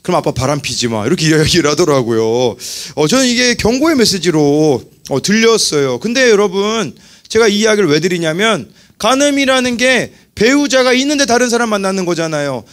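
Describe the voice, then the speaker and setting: A man in his thirties preaching a youth worship sermon as pastor, animated and acting out little quoted scenes. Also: high voice, brisk.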